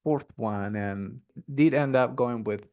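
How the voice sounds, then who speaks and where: A mid-pitched man hosts a podcast interview with upbeat enthusiasm. He talks casually and fills his sentences with "like" and "you know". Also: takes it slowly, a little mellow. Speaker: podcast host.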